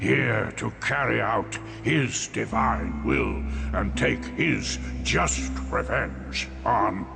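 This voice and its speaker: An actor playing the ghostly voice of a dead old priest, speaking slowly and solemnly in a radio drama. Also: male voice, lowish voice, expressive, vocal fry, exaggerated voice. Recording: echoing reverb with music.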